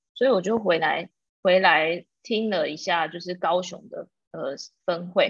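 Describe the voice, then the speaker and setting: Speaking at a fairly slow pace, a woman with a medium-pitched voice shows ordinary pitch variation and big swings in loudness. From Taiwan, Kaohsiung. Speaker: seafood e-commerce business owner, lecturer. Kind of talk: online lecture.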